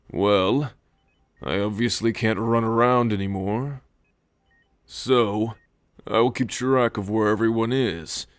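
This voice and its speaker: A man acting as a proud, stoic werewolf pack leader in an audio roleplay, speaking with deliberate, calm authority. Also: lowish voice, no room sound, lightly acted. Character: proud, stoic male werewolf pack alpha, newly injured. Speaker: voice actor. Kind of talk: audio roleplay drama, spoken to the listener.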